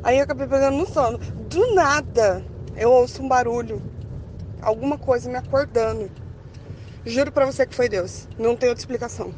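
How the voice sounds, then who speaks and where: A woman's voice: fairly high pitch, normal speed, a little hiss or hum. A woman with a Brazilian accent telling a story dramatically in a casual chat and acting out the dialogue. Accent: Brazilian Portuguese. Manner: dramatic, animated storyteller who acts out dialogue. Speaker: podcast co-host.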